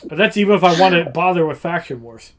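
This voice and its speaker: High-voiced blunt man. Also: animated, quick pace, a crowd in the background. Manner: blunt, opinionated, swears freely. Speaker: podcast guest. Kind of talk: casual podcast chat.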